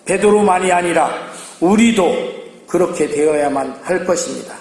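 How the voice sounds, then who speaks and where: A high-pitched man preaching a sermon, his voice ringing through a church hall with a long echo. He speaks with emphatic fervor and acts out the lines he quotes. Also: normal speed, darkish tone. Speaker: pastor.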